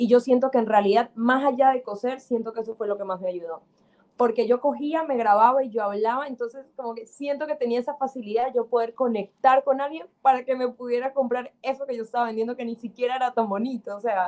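Speaking at a fairly quick pace with hardly any pauses, a woman keeps her high pitch on a fairly even intonation. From Colombia. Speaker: clothing designer and entrepreneur. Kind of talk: interview.

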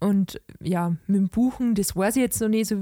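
At a medium pitch with ordinary pitch variation, a woman's voice carries a dark, mellow tone. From Bavaria. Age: 20s. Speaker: musician. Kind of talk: casual chat. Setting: video call.

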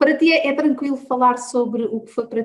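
A woman with a European Portuguese accent talks at a fairly quick pace with fairly even intonation. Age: 40s. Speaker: podcast host on separation and parenting. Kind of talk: casual chat.

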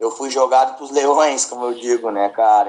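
Speaking at a moderate pace in a plain, everyday voice, a man keeps a medium pitch and fairly even intonation. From Bagé, Rio Grande do Sul, Brazil. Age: 20s. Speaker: muay thai fighter. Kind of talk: interview.

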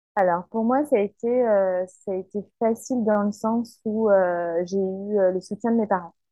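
A woman speaks in a plain, everyday voice with fairly even intonation. Her pace is fairly slow, with hardly any pauses. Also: medium pitch for a woman. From Paris region, France. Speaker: coach and eco-site founder. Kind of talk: interview.

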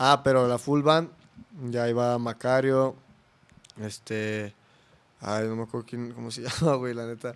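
A man with a medium-pitched voice speaks at a fairly slow pace, his loudness swinging widely and his intonation fairly even, with long, frequent pauses. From Guadalajara, Mexico. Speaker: rapper. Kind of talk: casual chat.

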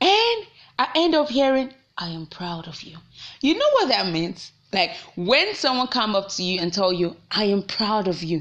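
A woman with a Nigerian accent talks at a moderate pace in an animated tone, her medium pitch moving in very wide swings and her loudness in big swings. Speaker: podcaster. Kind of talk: casual solo podcast monologue. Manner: animated, chatty, laughs often.

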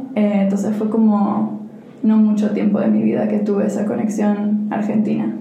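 At a moderate pace and very even loudness, a woman speaks amid noticeable background noise and audible room echo. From Miami, raised by Argentine parents. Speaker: student. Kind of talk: interview.

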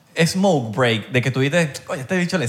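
With a Venezuelan accent, a man talks at a very fast pace with ordinary pitch variation over noticeable background noise. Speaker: podcast host. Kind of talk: casual chat. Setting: studio. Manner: animated.

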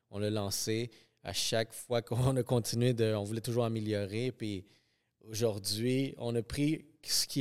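Speaking in an ordinary speaking voice at medium pitch, a man keeps a fairly slow pace and fairly even intonation on a very clean recording with a silent background. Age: 30s. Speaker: podcast host. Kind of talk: casual chat.

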